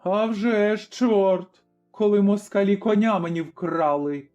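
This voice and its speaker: A man voicing a stern old Cossack father in a told story, speaking firmly and deliberately. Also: sits high, steady tone, darkish tone, lo-fi sound, faint music behind. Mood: gruff.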